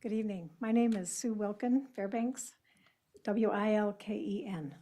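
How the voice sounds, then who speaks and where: A woman's voice: medium pitch, normal speed, mellow. A woman giving emphatic, prepared public testimony at a school board meeting. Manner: earnest, emphatic, reading prepared remarks.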